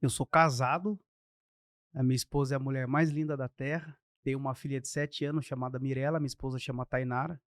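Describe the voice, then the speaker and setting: A Brazilian man in his thirties, a pastor telling his faith testimony in a podcast interview, lively and acting out the people in his story. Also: mid-range voice, fast, no room sound, studio quality. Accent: Brazilian Portuguese. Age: 30s.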